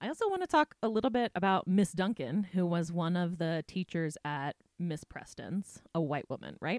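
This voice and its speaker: At a moderate pace with hardly any pauses, a woman with an ordinary speaking voice talks in a fairly low pitch with lively intonation, the sound dry and close with no echo. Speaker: podcast host. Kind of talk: casual chat. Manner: casual.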